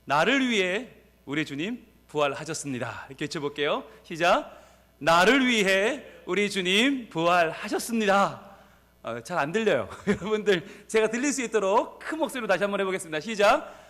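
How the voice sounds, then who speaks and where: A male pastor with a Gyeongsang Korean accent, preaching an energetic sermon and leading his congregation in call-and-response. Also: high voice, fairly quick, in a large hall.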